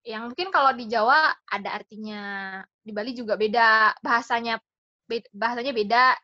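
A woman's voice: on the high side, normal speed, no echo. A young woman chatting casually and steering the conversation to new topics. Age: young adult. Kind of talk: casual chat. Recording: dull, muffled sound.

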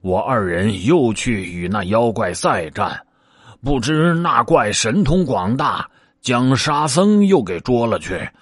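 A man's voice: medium pitch, sing-song, slow, slightly rough, dry recording, studio quality, full character voice. A man voicing a sly, lazy male pig disciple who coaxes and pleads with hesitant fillers. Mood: coaxing.

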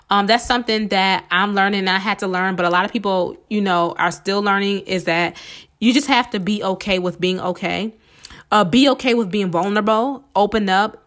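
A woman hosting a casual solo podcast, chatty and encouraging with many fillers, her voice slightly hoarse from a cold. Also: mid-range voice, a bit bright. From United States. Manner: chatty and encouraging, many "um"s, addresses listeners as "y'all". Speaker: podcast host.

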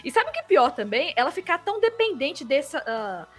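A woman's voice: high voice, very animated, a little fast, soft background music. A woman with a Brazilian accent arguing earnestly, point by point, in a podcast chat. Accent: Brazilian Portuguese. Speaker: podcast co-host.

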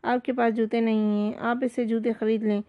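A woman voicing a cheeky, teasing male jungle sidekick with quick, mocking retorts. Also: fairly high pitch, flat delivery, dry recording, narrow, tinny audio, lightly acted. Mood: eager.

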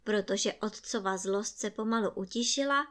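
A woman calmly reading a fairy tale aloud as a storyteller. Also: mid-range voice. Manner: calm, even storytelling.

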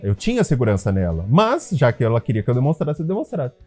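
Lively, warm-voiced man telling stories. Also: quick pace, soft background music. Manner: lively, acts out quoted voices with big pitch jumps; conversational, many tag questions and fillers. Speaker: relationship and couples wellness speaker. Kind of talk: casual storytelling monologue to listeners.

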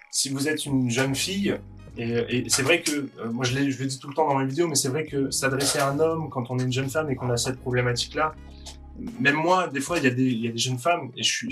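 A man hosting a Christian video talk, encouraging viewers with many halting restarts. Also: mid-range voice, pushed and bright. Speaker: host of Christian video channel.

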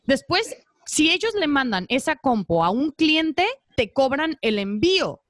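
A woman's voice: high voice, unhurried, dry recording, studio quality. A woman with a Mexican accent, a former model, telling stories in casual chat and acting out quoted voices. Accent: Mexican Spanish. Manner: animated storytelling, acts out quoted voices. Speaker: podcast guest, former model.

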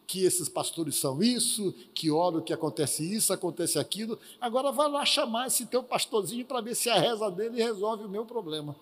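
A man voicing a rough, violent husband in a retold church story, speaking gruffly and with scorn. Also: sits high, expressive, a little fast, hardly any pauses. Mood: scornful.

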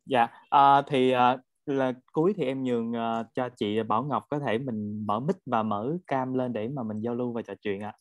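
A man's voice: medium pitch, fairly even intonation, normal speed, few pauses, dry recording. A man moderates a video call politely and briefly, thanking speakers and handing over the floor.

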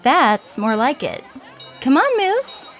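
Casting: picky young girlfriend for audio drama, high voice, very animated pitch, whiny and unhurried. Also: soft background music, full character voice. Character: fussy, spoiled young girlfriend, easily disgusted.

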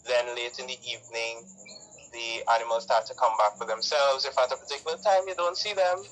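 A man from Guyana, a guest in an interview, explaining things in a relaxed way with frequent fillers and pauses. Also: mid-range voice, soft background music, low-quality recording. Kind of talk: casual interview answers.

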